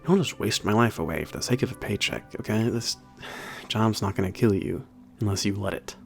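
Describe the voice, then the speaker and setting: Man playing a gravelly, low-voiced burly werewolf trainer. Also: soft background music. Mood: frustrated, earnest. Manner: halting, casual, sweary, awkwardly earnest. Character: big burly gruff werewolf spaceport maintenance trainer, soft-hearted. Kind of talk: ASMR roleplay audio drama, spoken to the listener.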